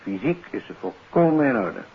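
An actor playing a courteous senior police chief, calmly in charge, in a 1950s radio drama. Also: male voice, medium pitch, normal speed. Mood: businesslike. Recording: dull 1950s radio recording, faint hiss.

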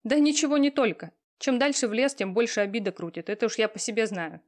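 A woman voicing a pushy, talkative young female friend who teases and lectures loudly. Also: on the high side, fast talker, close to an everyday voice. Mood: bossy. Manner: loud, teasing, talkative.

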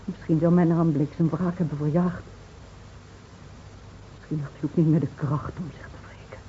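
An actress playing a grieving, reproachful village woman in a Dutch radio drama, speaking with halting solemnity. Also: deep voice, steady tone, natural voice. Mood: mournful, bitter. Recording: dull, faintly noisy old radio recording.

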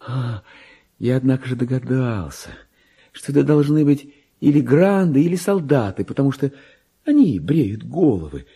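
An actor playing a deluded clerk who believes he is a king, in a pompous, erratic, theatrical radio monologue that swings from hushed to shrill. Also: expressive, moderate pace, breathy edge. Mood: earnest, bewildered. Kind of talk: dramatic literary monologue, Russian radio play.

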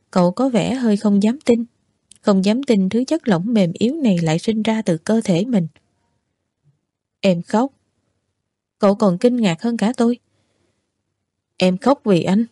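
Mellow-voiced woman narrating a novel. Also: medium pitch, dry recording, clean studio sound. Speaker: audiobook narrator.

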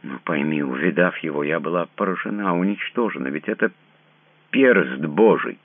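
A man's voice: a bass voice, steady tone, fairly quick, no room sound. A man voicing a young imprisoned princess who pleads emotionally and grows more urgent. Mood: shaken. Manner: emotional, rising to near shouts. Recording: tinny narrow-band radio sound, dry.

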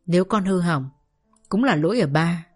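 A woman reading an audiobook, voicing an older father who speaks softly and sadly to his daughter. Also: on the low side, expressive, moderate pace, breathy edge, soft background music. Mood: sorrowful. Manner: soft, pleading, sighing. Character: gentle sorrowful father, older man.

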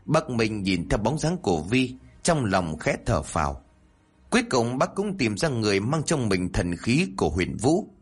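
A man narrating a spooky audio story with a lively, dramatic telling. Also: lowish voice, moderate pace, husky.

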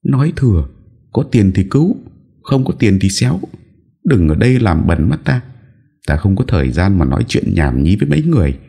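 A man's voice: fairly low pitch, sing-song, a little fast, vocal fry, dark tone, slightly rough, voice pushed up, exaggerated voice. A man doing a scornful, haughty young woman. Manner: scornful, curt.

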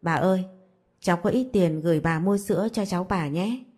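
A warm-hearted young woman, read by a woman narrator. She speaks gently and coaxingly in a low, mellow voice. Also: a little fast, lightly acted. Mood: caring. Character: kind, caring young woman.

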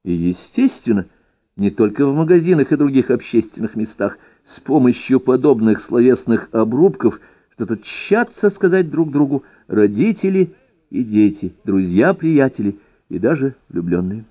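Man, audiobook-style essay reading, mellow dark tone, animated ironic intonation, dull lo-fi sound. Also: medium pitch, normal speed. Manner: expressive, ironic, lively emphasis. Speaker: reader. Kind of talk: reading an ironic first-person essay aloud. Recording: dull lo-fi recording.

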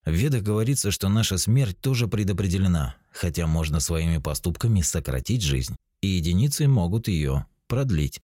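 A man in his forties narrates a spiritual self-help teaching, calm and explanatory. His voice sits very low with a mellow, dark tone. The recording is dry and close, with no room around it. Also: moderate pace, hardly any pauses, no room sound. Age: 40s. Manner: calm, explanatory, addresses the listener directly.

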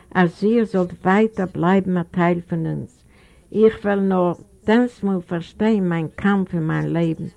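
A woman's voice: on the low side, vocal fry, a little mellow, muffled recording. A woman reading as a broken old man. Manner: pleading, earnest.

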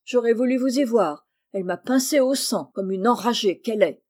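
A woman reading the part of a rough, jolly carter with loud, rustic country speech. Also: on the high side, normal speed, close to an everyday voice. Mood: blustering.

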